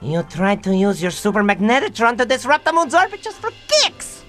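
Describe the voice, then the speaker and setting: A woman's voice: on the high side, expressive, normal speed, natural voice. A woman playing a grandiose, indignant young male mad scientist in a melodramatic comedy radio play. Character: pompous young male mad scientist, theatrical upstart villain. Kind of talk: comedic radio drama acting. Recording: music behind the voice.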